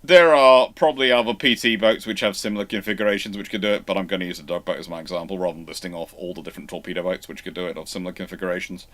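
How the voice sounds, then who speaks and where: A man with a lowish voice hosts an unscripted question-and-answer session. He thinks aloud as he goes, halting mid-phrase and starting again before settling on his point. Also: steady tone, fairly bright tone. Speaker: host of naval history live Q&A. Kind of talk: off-the-cuff answers to audience questions.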